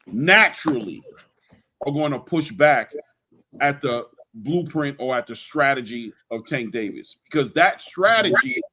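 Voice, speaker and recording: A man's voice: medium pitch, pushed and bright, a little hiss or hum, poor audio. A man hosting a boxing channel, talking casually and emphatically in slang, often repeating words for emphasis. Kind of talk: animated casual sports talk and opinion.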